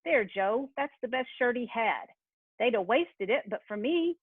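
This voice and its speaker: A woman's voice: on the high side, animated, measured pace, breathy edge, no room sound. A woman playing a callous, brazen working-class scavenger in an amateur dramatised reading. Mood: scornful, brazen. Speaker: library staff reader in a play. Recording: thin tinny phone-like sound.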